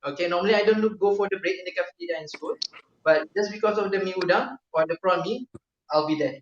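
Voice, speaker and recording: Male chef, a bit high-voiced, chatty demo patter, recorded from across an echoey kitchen, slightly muffled. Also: quick pace, slight background noise. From Malaysia. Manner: chatty, peppered with okay and fillers. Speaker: chef and host. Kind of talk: live cooking demonstration. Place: home kitchen. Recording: echoey kitchen, distant mic, dull lo-fi.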